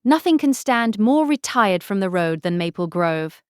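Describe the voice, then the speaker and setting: An actress playing a vain, self-satisfied young married gentlewoman in a period audiobook drama, chatty, affected and pompous. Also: mid-range voice, expressive, normal speed, clear, resonant tone, dry recording, clean studio sound, close to an everyday voice. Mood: smug, affected. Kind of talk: full-cast audiobook period drama acting.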